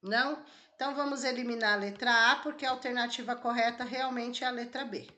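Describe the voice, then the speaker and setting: A woman's voice: fairly high pitch, fairly even intonation, fairly quick, bright, forceful tone. A woman teacher, walking students through an exam question step by step and asking them questions. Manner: explains step by step, asks the class questions. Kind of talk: exam-prep lesson walkthrough.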